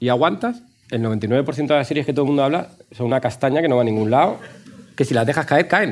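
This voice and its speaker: A man's fairly high voice at a very fast pace. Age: 40s. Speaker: panel guest. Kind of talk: panel discussion.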